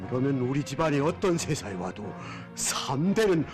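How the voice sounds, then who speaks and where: An actor playing a boastful, greedy villain in a melodramatic film. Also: male voice, medium pitch, big pitch swings, normal speed, over music, close to an everyday voice. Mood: gloating.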